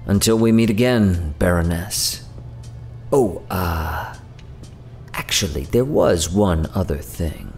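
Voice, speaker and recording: A man's voice: sits low, slow pace, darkish tone. A man playing an irreverent, roguish otherworldly emissary in an audio drama, with a slangy, sardonic, casually profane manner. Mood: sly, flippant. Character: irreverent, roguish male otherworldly emissary, whiskey-drinking schemer. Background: music.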